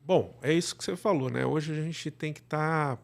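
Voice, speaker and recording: A middle-aged Brazilian man speaking casually as an interview guest, illustrating his points with imagined remarks in an animated conversational way. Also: a little high, normal speed, creaky. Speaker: guest, director and cultural producer.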